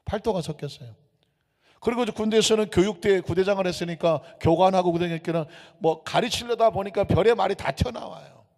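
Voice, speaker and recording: A male pastor delivers a lively sermon in a church sanctuary, his voice pitched high with a gravelly edge. He is animated and humorous, dropping into regional dialects now and then. The sound rings with the long echo of the hall. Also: brisk. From Gyeonggi Province, raised in Seoul.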